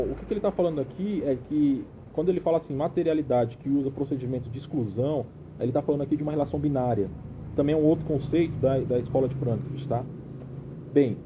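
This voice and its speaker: Dark-voiced man lecturing casually. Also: on the high side, slight background noise, low-quality recording. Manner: conversational, keeps checking in with "tá?". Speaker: teacher. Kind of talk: informal video lecture.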